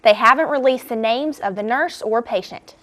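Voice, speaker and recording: A young woman reads the news for a college program, her voice fairly high. She moves evenly through the scripted headlines. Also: normal speed. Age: young adult. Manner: even scripted news delivery. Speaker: news anchor. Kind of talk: student newscast reading.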